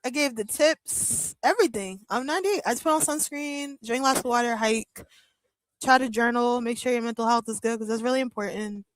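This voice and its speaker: A woman in her thirties hosts a live watch-along stream, talking casually and playfully with her viewers. Her voice sits a little high, and the sound is close and dry, as if she is right at a desk mic. She keeps up a loose, joking patter full of fillers. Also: fairly quick, dry recording, rough recording. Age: 30s. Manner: playful, joking, laughs often, lots of fillers. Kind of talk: casual live-stream chat reading comments.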